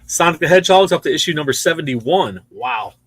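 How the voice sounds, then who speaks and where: A man's voice: fairly high pitch, animated, brisk, fairly bright tone, husky. A man in his sixties hosting a casual show-and-tell of new comics in a store, chatty and easily impressed. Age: 60s. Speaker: comic shop host.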